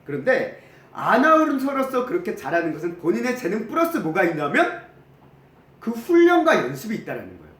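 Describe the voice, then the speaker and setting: A man preaching a sermon as pastor, animated, acting out the quoted complaints. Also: high-pitched, a little fast, roomy sound. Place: church sanctuary.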